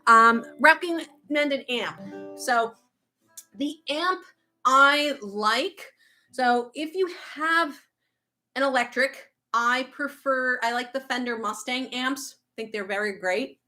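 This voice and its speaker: A woman's voice: high voice, pushed and bright. A woman in her thirties with a faint Boston accent, a guitar teacher chatting casually on a livestream and answering viewer questions. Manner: chatty, reads out viewer comments, quick asides.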